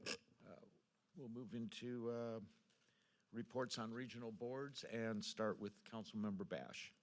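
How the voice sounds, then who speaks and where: A man's voice: medium pitch, fairly even intonation, unhurried, slight background noise. An American man, a mayor, running council meeting procedure in a semi-formal way. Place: council chamber.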